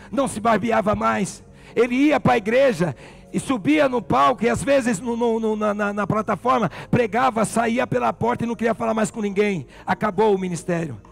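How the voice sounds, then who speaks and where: Gravelly high-voiced Brazilian pastor. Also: male voice. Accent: Brazilian Portuguese. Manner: passionate preaching, telling a story to the congregation. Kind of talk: sermon.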